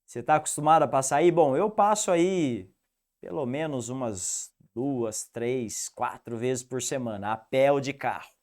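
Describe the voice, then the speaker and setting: A male English teacher with a Piracicaba accent, giving an animated, didactic video lesson and repeating the rules for the student. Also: medium pitch, unhurried. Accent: Piracicaba interior São Paulo, rolled R.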